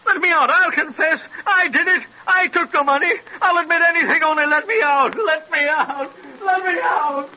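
An actor playing a terrified prisoner in a 1930s radio drama, desperately screaming in panic. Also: male voice, very high voice, normal speed, bright, forceful tone, heavily acted. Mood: terrified, frantic. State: frantic, screaming. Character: terrified male prisoner shrieking to be let out. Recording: thin, dull 1930s radio recording.

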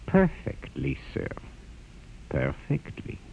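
An actor playing a coldly distrustful military commander in 1950s radio drama, clipped and deferential to a superior. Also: male voice, slow pace, loud music behind the voice, lightly acted. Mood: suspicious, cold. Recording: very noisy, tinny 1950s radio recording.

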